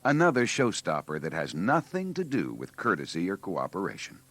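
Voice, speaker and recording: A man's voice: sits low, huge pitch swings, moderate pace, a bit bright. A man reading scripted narration for a 1980s training filmstrip, with a preachy, wry delivery.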